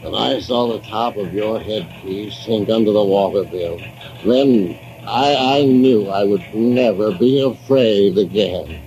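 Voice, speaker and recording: An actor playing a plain-spoken, humble diving technician in a 1950s radio drama, with a folksy manner. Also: male voice, fairly low pitch, unhurried, rough recording. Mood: quiet. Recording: hissy old radio transcription.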